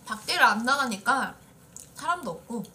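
Woman, 20s, stream guest; bright, animated voice, playful short answers, light noise. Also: a little high, normal speed. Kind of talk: casual live-stream chat. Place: indoor streaming room, seated.

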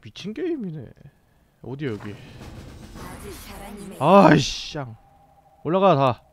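Male game streamer, animated swings, slightly high register, casual grumbling and coarse exclamations. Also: slow, background noise.

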